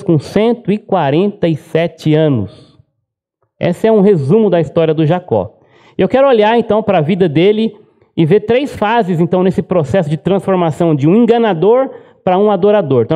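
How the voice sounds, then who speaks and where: High-voiced male pastor, mellow tone. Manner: conversational storytelling, frequent tag questions. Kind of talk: sermon.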